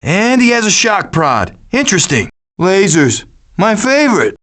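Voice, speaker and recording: A wisecracking raccoon gang leader from a cartoon video game. The voice sits high for a male and swings widely in pitch. The delivery is glib and cocky, with a sarcastic, scheming edge. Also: sing-song, unhurried, fairly bright tone, full character voice. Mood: sarcastic, casual. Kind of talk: animated video game voice acting.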